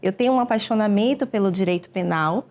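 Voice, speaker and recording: Measured woman, mellow. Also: mid-range voice. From Brazil. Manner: measured, explanatory, many hesitations. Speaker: guest, public defender. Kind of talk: interview answers.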